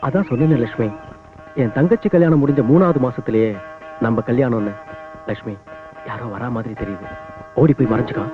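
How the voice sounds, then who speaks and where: A man's voice: mid-range voice, brisk, long pauses, natural voice. An actor playing a playful young man who earnestly reassures his beloved. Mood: longing. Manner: earnest, soothing, lively delivery. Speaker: film hero. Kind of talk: Tamil film drama dialogue. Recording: tinny lo-fi film soundtrack with music.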